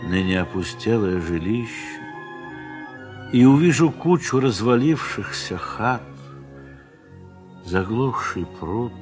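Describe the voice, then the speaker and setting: A man narrating a radio play, reading literary prose in a measured, wistful way with soft, trailing phrase ends. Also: on the low side.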